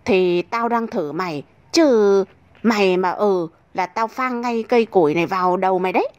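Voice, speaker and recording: A woman's voice: medium pitch, moderate pace, darkish tone, lo-fi sound, slight background noise, natural voice. Woman doing a crude, pushy brother-in-law. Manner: bossy, coarse.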